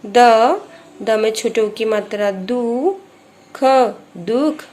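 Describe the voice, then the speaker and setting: Very slow, patient woman teacher. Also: fairly high pitch, dark tone. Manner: patient, spells out each letter and vowel sign one at a time. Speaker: primary school teacher. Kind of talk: slow Hindi phonics lesson for young children.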